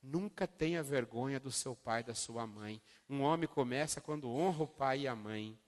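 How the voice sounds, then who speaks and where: A man quoting a kind, firm older woman schoolteacher, speaking softly and slowly in a reverberant hall. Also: mid-range voice, lively intonation, voice pushed down, natural voice. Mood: gentle, firm. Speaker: primary school teacher.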